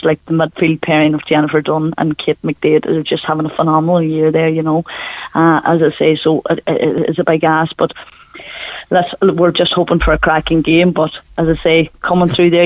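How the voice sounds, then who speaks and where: A woman's voice: low-pitched, no echo. A woman with a Donegal accent giving colloquial, conversational sports analysis in a radio interview. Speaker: sports pundit. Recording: thin phone line, dry, band-limited.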